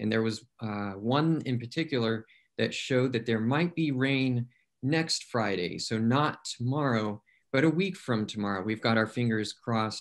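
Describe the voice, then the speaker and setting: With ordinary pitch variation, a man speaks at a moderate speed while the background stays quiet. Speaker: guest. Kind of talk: interview answer. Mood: friendly, explanatory. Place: home room. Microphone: video call.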